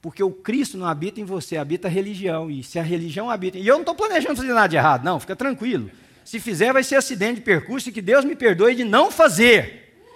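A man with a Brazilian Portuguese accent, a pastor preaching a sermon with emphatic build-ups to shouts and asides to his congregation. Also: high-pitched, animated, quick pace, husky.

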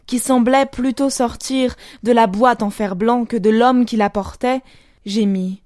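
A woman narrates a classic short story in a fairly high voice. She reads in a measured, deliberate way and leaves dramatic pauses between phrases. The recording is dry and close, with no room echo. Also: a little mellow. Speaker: audiobook narrator.

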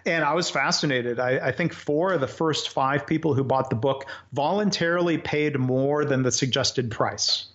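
A man's voice: mid-range voice, moderate pace, few pauses, fairly bright tone. A man in an interview, talking about his writing process at a thoughtful pace, with plenty of fillers and restarts. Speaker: author guest. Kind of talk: conversational interview. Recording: slightly dull lo-fi audio.

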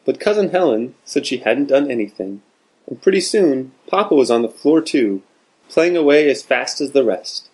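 A man reading a storybook aloud with expressive narration. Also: medium pitch, normal speed, husky, low-quality recording. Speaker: audiobook narrator.

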